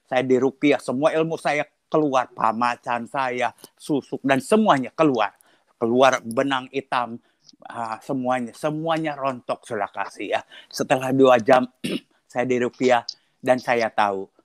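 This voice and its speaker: Casting note: middle-aged man, animated testimony, mid-pitched voice, dry close sound. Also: no echo. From Indonesia (Sundanese). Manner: animated storytelling, code-switching to English. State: coughing. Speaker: testimony guest. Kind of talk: personal testimony.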